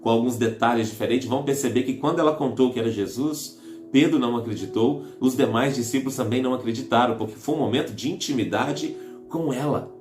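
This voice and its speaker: A man with a Brazilian accent delivers an earnest sermon in a church hall, speaking at a mid pitch. The room rings with echo, and soft music plays faintly underneath. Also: brisk. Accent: Brazilian Portuguese. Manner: earnest, addresses listeners as brothers, rephrases mid-sentence. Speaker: preacher.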